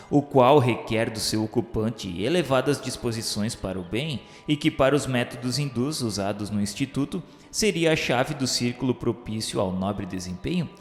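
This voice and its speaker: Brazilian male narrator for radio drama: gravelly, solemn, formal, in a reverberant space with faint music. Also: medium pitch. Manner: solemn, formal literary delivery. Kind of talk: scripted dramatic narration of a spiritist radio novel. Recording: echoey reverberant hall sound, faint music.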